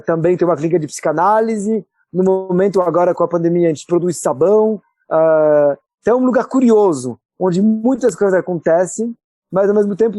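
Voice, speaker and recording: Man with french accent, mellow tone, dry sound, thoughtful interview guest. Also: sits high, no echo. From France. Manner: thoughtful, many filler "ah" hesitations. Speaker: guest, cultural center director. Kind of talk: podcast interview.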